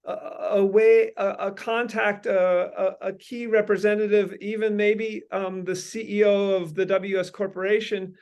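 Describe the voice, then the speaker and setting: A man's voice: sits high, level tone, unhurried, hardly any pauses, a little mellow, smooth. A man hosting a meeting, brainstorming in long winding sentences full of ums and uhs. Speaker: host leading a meeting.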